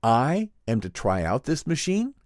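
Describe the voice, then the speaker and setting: A man's voice: medium pitch, very animated, measured pace, darkish tone, dry recording, clean studio sound, voice pushed up. A man voicing an eager, fearless adventurer in a dramatic radio-style reading, with an ardent, formal, theatrical delivery. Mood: awed. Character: eager, fearless male adventurer, excitable and reverent of science. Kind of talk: dramatic audiobook reading in old-time radio drama manner.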